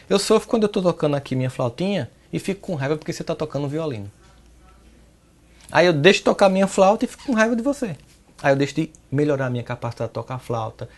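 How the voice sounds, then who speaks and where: Psychologist guy from northeast brazil, middle-aged, animated, voice jumps up high when he stresses stuff, keeps tossing in né. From Paraíba, Northeast Brazil. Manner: animated, pitch jumping up on emphasis, frequent "né?" and "entende?". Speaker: psychologist, interview guest. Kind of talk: reflective interview talk.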